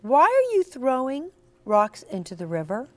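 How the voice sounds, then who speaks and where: A woman's voice: sits high, huge pitch swings, a little slow, heavily acted. A woman storyteller voicing Jeremy, a troubled, plain-spoken young boy in a storybook. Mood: questioning.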